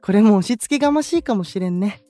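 A man playing a gentle, candid young male idol with a Kansai accent in an anime-style audio drama, soft-spoken and considerate. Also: high-pitched, expressive, fast, no echo, soft background music. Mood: earnest, caring.

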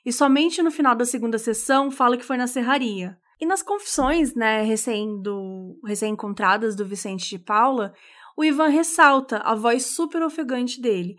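Woman w a high voice, chatty podcast recap of a crime case, lots of fillers. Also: a bit bright. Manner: conversational, frequent "né" fillers. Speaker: podcast co-host. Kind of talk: casual true-crime retelling.

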